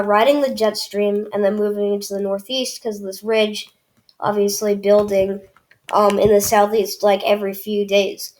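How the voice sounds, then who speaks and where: A woman's voice: medium pitch, darkish tone. A young woman talks viewers through a weather forecast in a loose, chatty way. She has a cold and her talk is full of fillers and restarts. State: has a cold, clears throat. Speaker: weather channel host. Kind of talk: casual forecast walkthrough.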